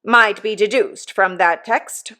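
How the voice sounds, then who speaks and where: A preachy, self-important church clerk, as a woman reading a novel aloud puts him on. He delivers every remark like a pronouncement from the pulpit. The voice is raised in pitch and noticeably louder than the narration. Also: slow. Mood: sermonizing. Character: pompous preachy church clerk, a middle-aged man.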